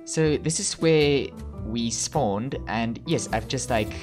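A man's voice: medium pitch, slow, over music. A man hosting a gaming channel, giving casual gameplay commentary with frequent giggles, stumbles and self-deprecating asides.

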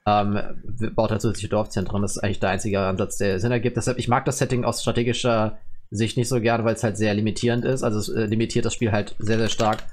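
A man's voice: fairly low pitch, flat delivery, quick pace. A man hosting his own gaming channel, chatting casually and rambling with many fillers and restarts while he plays a strategy game. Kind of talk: casual gameplay commentary.

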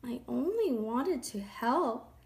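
A woman voicing a friendly male wolf in a storybook, gentle, polite and concerned. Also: high voice, expressive, unhurried, pitched above the performer's own voice. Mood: sad, apologetic.

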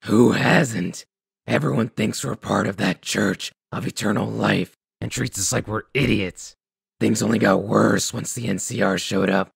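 A man voicing a weary, bitter, self-deprecating ghoul scavenger in a video game, raspy and gravelly, with grudging, halting delivery. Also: fairly low pitch, fairly even intonation, no room sound, exaggerated voice. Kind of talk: video game dialogue acting.

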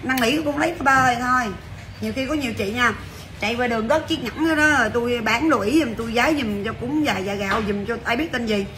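A woman selling jewelry on a livestream, chatty and brisk, calling out to viewers. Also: a little high, noisy background. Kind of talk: fast livestream sales patter. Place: jewelry shop.

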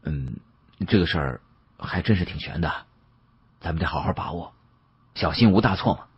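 A man's voice: low-pitched, expressive, moderate pace, slightly rough, full character voice. A man voicing a principled, cautious young male antiques expert in an audiobook, speaking earnestly and admonishingly. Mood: wary. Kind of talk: audiobook character dialogue. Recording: muffled, dull lo-fi audio.

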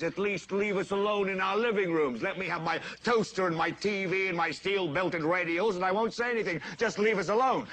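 A man playing an older TV news anchor who rants on air, impassioned and building to shouts. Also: high-pitched, husky. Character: furious older male TV anchor, fed up. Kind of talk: film drama acting.

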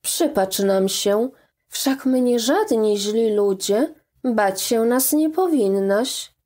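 A woman's voice: fairly high pitch, slow pace, dark tone. A woman reading a hearty, coaxing father. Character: kindly, hospitable father of a household.

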